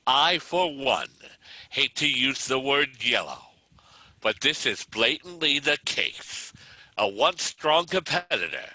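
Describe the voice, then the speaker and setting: A man playing a pompous mock sportscaster in a table read, with a deliberate, grandiose announcer delivery. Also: mid-range voice, big pitch swings, pushed and bright, no room sound, full character voice, rough recording. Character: pompous young male rival, slow mock sportscaster. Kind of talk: virtual table read acting.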